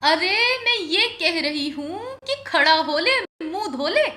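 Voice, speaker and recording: A woman's voice: very high voice, expressive, takes it slowly, echoey room, heavy background noise, exaggerated voice. An actress playing a fed-up Haryanvi village wife and stepmother who scolds and wails, in a Haryanvi accent. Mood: complaining. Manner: scolding, wailing complaints.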